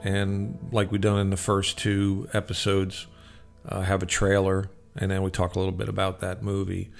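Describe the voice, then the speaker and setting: A man's voice: low-pitched, creaky. Male, radio show host, casual delivery, informal rundown, loosely structured explaining.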